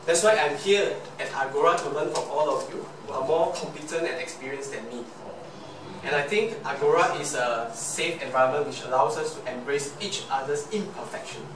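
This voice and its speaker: A young man from Malaysia with a Malaysian English accent, a Chinese native speaker giving an earnest motivational speech full of rhetorical questions. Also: a little high. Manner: earnest, rhetorical questions, slow emphatic repeats. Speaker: club speaker. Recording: echoey room from far off, noisy.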